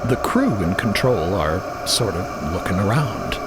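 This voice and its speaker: A man's voice: low voice, very animated, unhurried, heavy background noise. A man narrating a scripted audio drama. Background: loud music.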